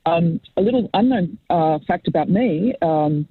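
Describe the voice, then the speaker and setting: Brief: Italian-native woman, panel CEO, husky and dry, phone-quality audio. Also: lowish voice, lively intonation, a little slow, no room sound. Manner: eager, with frequent um and uh fillers. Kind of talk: webinar panel discussion. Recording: tinny phone-like line.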